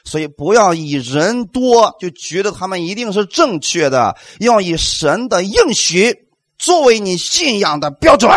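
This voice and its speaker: Man preaching with swooping, lively pitch. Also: unhurried, dry recording. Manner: emphatic preaching with rhetorical questions and acted-out quotes. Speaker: pastor. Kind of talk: sermon.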